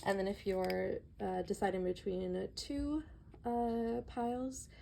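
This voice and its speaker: Stuffy-nosed woman with a gravelly voice. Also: medium pitch, slow pace, noisy background. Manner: chatty and relaxed, reads book passages aloud. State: stuffy nose, a little out of breath. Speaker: tarot reader. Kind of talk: casual tarot reading to camera.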